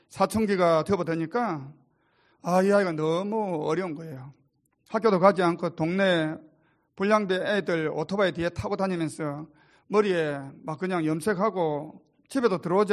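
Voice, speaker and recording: Male pastor, high and animated, preaching with sudden drops to near-whispered storytelling. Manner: swings from loud preaching to hushed storytelling. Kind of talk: sermon.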